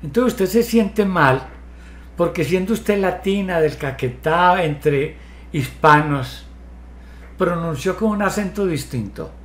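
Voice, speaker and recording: A man's voice: high voice, animated, slow pace. A man in his sixties leading an online hypnotherapy session from his home study, asking pointed questions and lecturing in a direct, questioning way. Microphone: video call. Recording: roomy video call audio.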